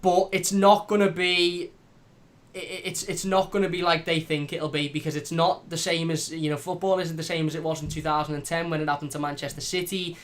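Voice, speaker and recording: Animated man with a higher voice. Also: brisk. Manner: animated, blunt, swears lightly. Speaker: fan channel host. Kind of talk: casual live chat reading comments.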